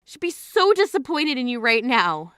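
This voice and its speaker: Woman as exasperated grieving sister, scolding, high and bright. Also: very animated, moderate pace, clear, resonant tone, dry recording, clean studio sound. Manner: scolding, indignant. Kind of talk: scripted drama dialogue.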